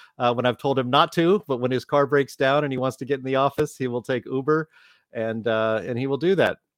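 Dry and close with no echo, this recording has a quiet background. A man speaks in an ordinary speaking voice at medium pitch and a fairly quick pace, with ordinary pitch variation. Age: 50s. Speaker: think tank executive. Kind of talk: casual chat.

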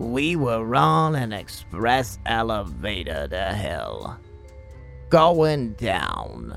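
Clear music plays in the background. A man at a medium pitch talks at a very slow pace. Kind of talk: noir detective narration. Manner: wisecracking, flippant.

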